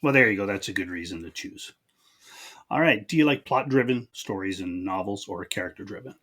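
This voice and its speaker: Husky-voiced male podcast host. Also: low voice, expressive, fairly quick, fairly bright tone. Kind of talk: casual interview chat.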